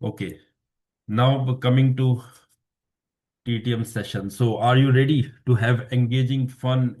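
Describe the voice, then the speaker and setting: A man hosting a speaking club's impromptu session over a video call, halting and rephrasing as he searches for words. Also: mid-range voice, darkish tone. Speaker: table topics master.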